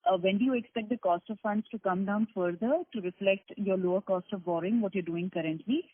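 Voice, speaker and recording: A woman's voice: medium pitch, fairly quick, dry recording. A woman analyst on an earnings call, asking detailed, probing questions about figures. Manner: probing, detailed, numbers-focused. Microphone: phone. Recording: husky voice over phone line.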